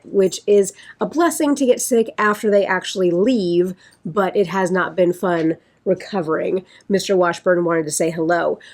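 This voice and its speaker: A woman talks casually to her viewers in a raspy, congested voice, hoarse from a sinus infection. She chats in a friendly, rambling way, often circling back and restarting her sentences. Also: medium pitch, a little mellow. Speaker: beauty vlogger. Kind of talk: casual chat.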